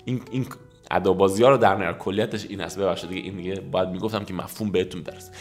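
A man teaching an English lesson. He reads the English phrases slowly, then translates them in quick, soft-spoken asides. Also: low voice, fairly even intonation, soft background music. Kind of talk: language lesson.

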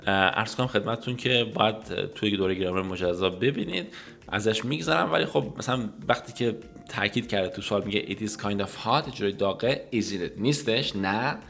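A man teaching an English lesson, repeating English phrases slowly and then explaining them in Persian, his native language. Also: on the low side, creaky, a bit bright.

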